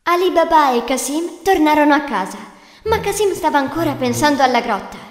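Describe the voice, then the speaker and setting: A woman's voice: sits high, lively intonation, fairly quick. A woman reading a scripted fairy tale as the narrator. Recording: echoey hall reverb, music behind. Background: music.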